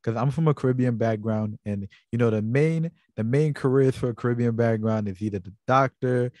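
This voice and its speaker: A man's voice: mid-range voice, a little fast, darkish tone, no echo, clean studio sound. A man from Guyana hosting an interview, talking earnestly and rambling a little with many fillers. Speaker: interview host. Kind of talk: casual interview.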